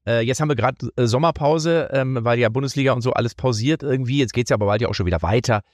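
A middle-aged man, a comedian guesting on a podcast, telling anecdotes in a lively, casual way and dropping into playful put-on voices. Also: mid-range voice, rapid-fire, no echo, clean studio sound. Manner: animated storyteller slipping into mock Italian and English voices.

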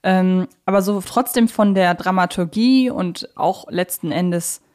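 A woman's voice: fairly low pitch, measured pace, darkish tone. Chatty woman co-hosting a podcast. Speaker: podcast co-host. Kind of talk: casual conversational discussion of audio dramas.

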